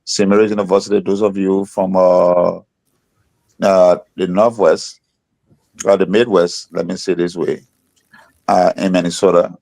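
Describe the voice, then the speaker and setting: A man introduces himself on a talk panel as a psychotherapist. His voice is very low and he speaks slowly. His manner is measured, and he often repeats words while he searches for the next one. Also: flat delivery, vocal fry, darkish tone. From Liberia.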